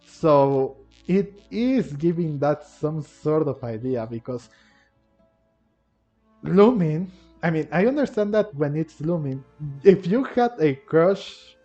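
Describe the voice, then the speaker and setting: Explaining the story dialogue during casual game commentary, this gameplay commentator, a man with a Hispanic Spanish accent, halts, repeats and rephrases himself, and switches between languages. He has a fairly high, animated voice with a dark tone. Game music plays beneath a dull lo-fi mic.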